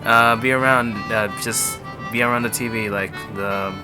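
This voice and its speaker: Man talking haltingly over music. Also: medium pitch, fairly even intonation. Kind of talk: halting casual interview talk.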